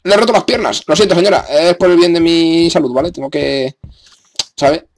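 A man's voice: on the high side, brisk, a little hiss or hum. A young man with a Spain Spanish accent giving gameplay commentary, sarcastic and exasperated, with frequent cursing. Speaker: gamer.

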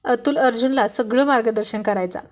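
A woman's voice: fairly high pitch, fairly quick. Woman narrating a romance serial. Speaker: storyteller.

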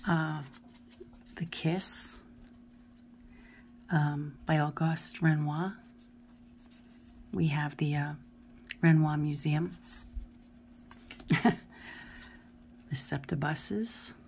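A middle-aged woman with a Philadelphia accent talks at her table, her low voice carrying a gravelly fry. She rambles through a tarot deck in a chatty, casual way, often dropping to a near murmur. The mic hangs above her hands on the table. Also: steady tone, drawn-out words, pauses often, darkish tone, slight background noise. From Philadelphia area. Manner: chatty, rambling, often drops to a murmur while looking at cards. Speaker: tarot video host. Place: home table. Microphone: camera above the hands, speaker off frame.

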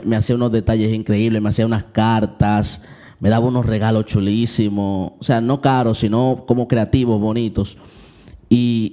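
A young Christian vlogger with a lowish, dark-toned voice tells a personal story, speaking candidly and confessionally. He addresses his viewers directly and acts out the moments he describes.

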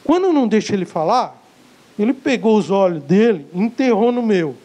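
A man's voice: high-pitched, sing-song, moderate pace, dark tone, rough recording. A man with a Brazilian Portuguese accent giving a live sales-coaching lecture to an audience, emphatic and repetitive, acting out short dialogues. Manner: emphatic, repeats key words, acts out dialogues.

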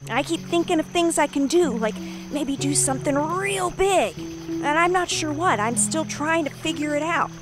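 A woman's voice: high-pitched, expressive, normal speed, over music. A woman voicing an earnest, wistful and hopeful young girl for an animation demo.

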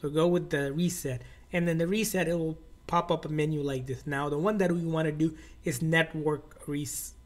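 A man with a slightly higher-than-average voice hosts a how-to tutorial. He explains things step by step in an informal, instructional manner. He tends to circle back and repeat his phrasing as he goes. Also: fairly even intonation, moderate pace, few pauses. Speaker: tech tutorial host.

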